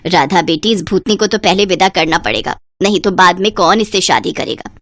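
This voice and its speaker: A woman's voice: fairly low pitch, lively intonation, brisk, a bit bright, voice pushed down. A woman voicing a harsh, scornful mother who taunts her daughter in a cartoon story. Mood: taunting.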